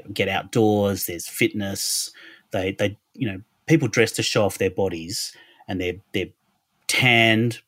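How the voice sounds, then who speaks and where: A man's voice: lowish voice, a bit bright, no room sound, clean studio sound. A middle-aged Australian man with an Australian accent, a guest speaking thoughtfully in a casual interview, often restarting his phrases. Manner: thoughtful, restarts phrases, lists words in a row. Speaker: podcast guest, Anglican minister.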